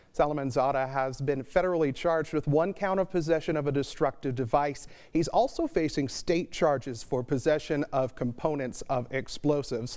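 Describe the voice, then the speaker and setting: Using an ordinary speaking voice, a man with a fairly high pitch speaks at a moderate pace with ordinary pitch variation and hardly any pauses. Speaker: television news anchor. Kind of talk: TV news anchor delivery.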